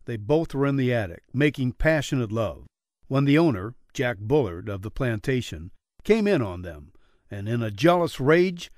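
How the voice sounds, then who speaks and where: A man's voice: mid-range voice, very animated, normal speed, darkish tone, no room sound, studio quality. A man narrating scripted horror stories in a dramatic style, as a story reader. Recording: music bed behind the reading.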